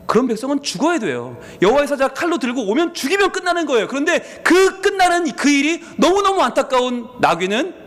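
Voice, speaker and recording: A man's voice: extremely high pitch, big pitch swings, fast talker, few pauses, a bit bright. A male pastor preaching a sermon, telling the story with animation and asking the congregation questions, in a church. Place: church sanctuary. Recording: long hall reverb.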